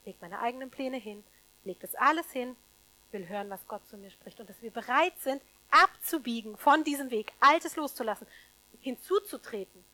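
A woman preaching a sermon to a congregation, emphatic, swinging between loud stresses and hushed asides, with rhetorical questions to the listeners. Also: fairly high pitch, normal speed, rough recording.

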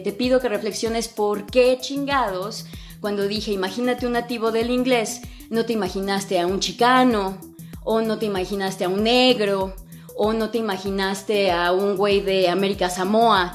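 Speaking in a mid-range voice, this English teacher and podcaster with a Mexican Spanish accent rants casually and bluntly, using slang, plenty of curse words, and rhetorical questions.

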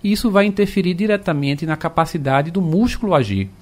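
A man, an orthopedic doctor explaining calmly on radio with plain comparisons. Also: fairly high pitch, brisk.

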